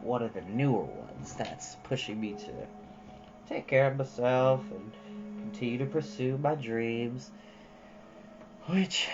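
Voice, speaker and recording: A man's voice: medium pitch, highs cut off, background noise. A man hosting a storytime channel, speaking casually in an earnest, reflective and encouraging way. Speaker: host of a storytime reading channel. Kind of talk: casual chat and expressive book reading.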